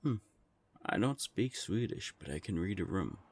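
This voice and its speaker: Guy doing a smug nonbinary vampire council envoy, really low gravelly voice, sardonic and taunting, audio drama. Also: expressive, normal speed, heavily acted. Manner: sardonic, taunting, formal phrasing. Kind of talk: scripted audio drama acting.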